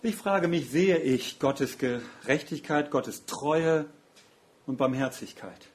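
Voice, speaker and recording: A man's voice: fairly high pitch, takes it slowly. A man preaching a sermon in an earnest, reflective way, often asking rhetorical questions.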